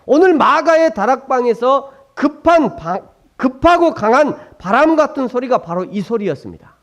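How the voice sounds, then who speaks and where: Animated preaching man, high lively voice. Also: moderate pace. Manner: animated preaching, asks the congregation questions, acts out quoted lines. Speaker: pastor. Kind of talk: sermon.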